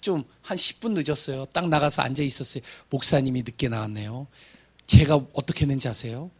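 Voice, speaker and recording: A hoarse man preaching a sermon, asking rhetorical questions and swinging from loud cries to hushed asides, stumbling over words now and then. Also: mid-range voice, fairly quick.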